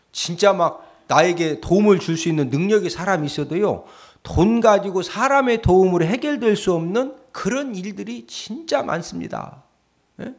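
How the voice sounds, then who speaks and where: A man preaching a sermon with a high, sing-song voice that rises and falls a lot. He swings from hushed asides to loud calls to the congregation. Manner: lively preaching that swings between soft asides and loud exhortation; acts out pleading cries in a low voice. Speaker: pastor.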